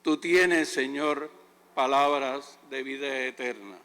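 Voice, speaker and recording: A man serving as lector, reading scripture at Mass slowly and deliberately in short phrases. His voice rings with a cathedral echo. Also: medium pitch, a bit bright. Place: large church. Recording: cathedral echo with long reverb.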